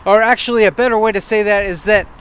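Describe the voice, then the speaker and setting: A man walking outdoors and thinking aloud in short, broken phrases, at times loud and assertive, almost shouting. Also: high-pitched, steady tone, fast, clean tone. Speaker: vlogger. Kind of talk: reflective walking monologue. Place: outdoors on a street while walking.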